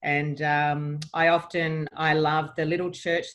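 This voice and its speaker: A woman's voice: deep voice, flat delivery, measured pace, fairly bright tone. An Australian woman in her forties, a podcast guest chatting casually and upbeat about her childhood. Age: 40s. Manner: chatty and upbeat, given to reminiscing. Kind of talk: casual interview chat.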